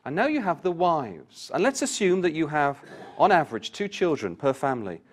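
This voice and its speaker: A man's voice: a little high, very animated, moderate pace. A man giving a Bible study talk, reading scripture aloud with rising emphasis and turning to the listeners with direct questions. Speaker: Bible class speaker.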